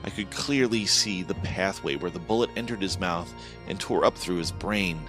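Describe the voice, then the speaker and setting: A man's voice: sits low, normal speed. A man narrating a first-person horror story in a tense, dramatic manner over background music. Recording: music playing behind.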